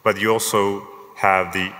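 A man speaks at a conference lectern, his fairly low voice bright and forward. He explains software in a relaxed way with the odd dry joke and quizzes the audience. The lectern microphone picks up the long reverb of a large hall. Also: unhurried. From Finland. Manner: relaxed, lightly joking, asks the audience show-of-hands questions. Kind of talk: technical conference talk.

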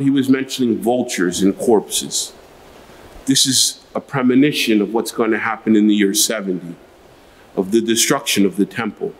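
A man's voice: medium pitch, low-quality recording. A middle-aged man, a Catholic priest, giving a homily in an explanatory, emphatic way at a church lectern. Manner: explanatory, emphatic, with rhetorical questions. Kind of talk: homily, spoken to a congregation. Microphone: gooseneck lectern microphone.

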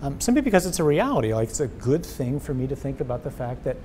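A man, a Catholic priest, hosting an earnest, animated faith conversation indoors, often repeating words as he gathers his thoughts. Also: medium pitch, fast talker, noisy background. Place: indoors before a wall of memorial crosses.

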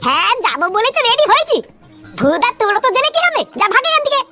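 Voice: extremely high pitch, big pitch swings, quick pace. An actor playing a foul-mouthed, boastful little father in a comic cartoon dub, blustering and quarrelsome. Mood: irritated. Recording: loud music behind the voice.

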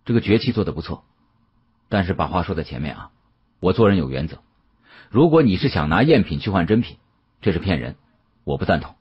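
A man's voice: deep voice, very animated, fairly quick, long pauses, husky, heavily acted. A man voicing a principled, cautious young male antiques expert in an audiobook, speaking earnestly and admonishingly. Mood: stern. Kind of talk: audiobook character dialogue. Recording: muffled, dull lo-fi audio.

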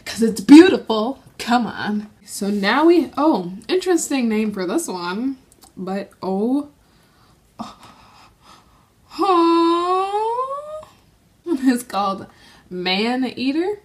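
A woman's voice: sits high, sing-song, very slow, long pauses, a little mellow. A young woman swatching a makeup palette in a casual vlog, gushing with gasps and exclamations. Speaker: beauty vlogger.

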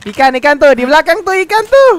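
A man's voice: very high-pitched, very animated, quick pace. A man playing a survival game with a friend, teasing and laughing often as he jokes through the mishaps. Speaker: gaming YouTuber. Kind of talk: gameplay banter.

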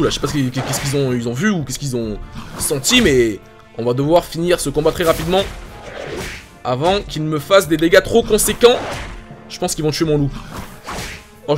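A gaming YouTuber man commentates his game with hyped, casual energy, calling out to his viewers and swearing now and then. His voice sits fairly high and swings widely in pitch. Faint game music plays underneath. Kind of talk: excited gameplay commentary. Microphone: facecam setup.

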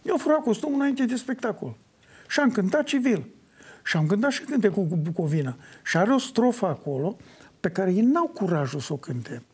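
An older man answering interview questions in an animated way, breaking into sung folk lines as he talks. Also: high voice, slightly rough. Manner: animated, sings folk lines mid-talk. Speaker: folk singer.

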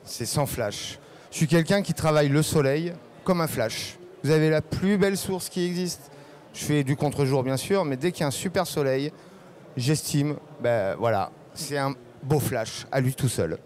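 Man, middle-aged, casual halting talk, handheld mic, trade fair stage. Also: on the high side, a little mellow, a little hiss or hum. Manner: casual, hesitant, many fillers. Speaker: guest photographer. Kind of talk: live conference talk.

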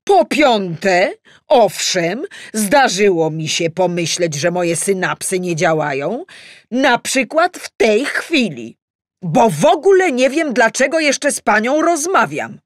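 A woman's voice: mid-range voice, big pitch swings, takes it slowly, dry recording, studio quality, voice pushed up. A woman voicing an exasperated, self-pitying male editor-in-chief in an audiobook, ranting emphatically. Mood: exasperated, stern. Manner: emphatic, ranting in numbered points. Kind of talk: audiobook character acting.

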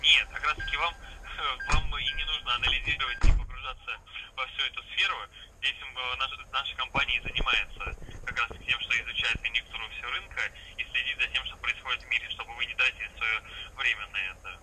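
A man giving a formal, patient phone sales pitch as an investment salesman, heard through a phone speaker in a vehicle. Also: little pitch movement, quick pace, pushed and bright, a little hiss or hum, rough recording. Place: phone speaker inside a parked vehicle cab.

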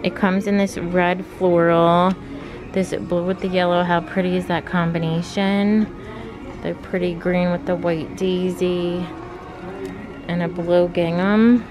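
Chatty young woman, flat low voice. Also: measured pace, poor audio. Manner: chatty, lots of "like" fillers. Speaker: fashion vlogger. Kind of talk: casual shop-with-me narration. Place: clothing store indoors. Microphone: handheld phone camera. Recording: background music playing over voice.

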